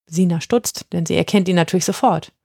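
A woman narrating a storybook in a lively, even-paced reading. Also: lowish voice, fairly quick, creaky, no echo, clean studio sound. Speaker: audiobook narrator.

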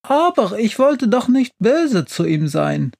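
A narrator voicing a young, rude storybook witch who snaps at everyone, in a high, sharp voice. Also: big pitch swings, slow pace, creaky, husky, exaggerated voice. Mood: tearful. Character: young grumpy rude witch, crying inside. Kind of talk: storybook reading.

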